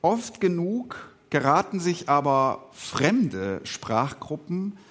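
A middle-aged man who grew up speaking Swiss German, giving a podcast sermon as a pastor. His voice sits a little high for a man and rises and falls a great deal. He talks reflectively, pausing often and filling gaps with soft hesitation sounds. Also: very animated. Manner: reflective, with pauses and filler sounds.

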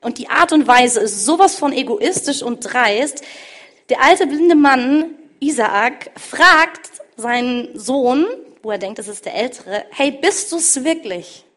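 A woman preaching, retelling a scripture story emphatically, swinging between loud stress and hushed endings. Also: on the high side, expressive, slow.

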